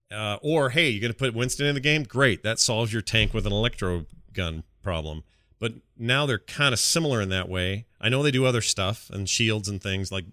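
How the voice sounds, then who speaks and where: Male podcast host, lowish bright voice, casual conversational chat, close dry sound. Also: no echo.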